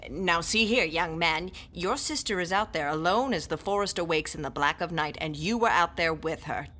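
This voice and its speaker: An actress narrating and playing a stern, learned woman classicist, with measured, formal, often hushed storytelling. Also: fairly low pitch. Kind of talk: audio drama narration.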